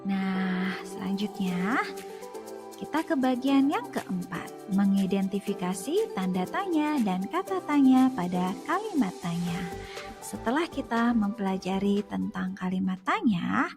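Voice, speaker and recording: A woman teacher giving a children's grammar lesson in a clear, sing-song voice, stressing each question word. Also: medium pitch, big pitch swings, a little slow, over music.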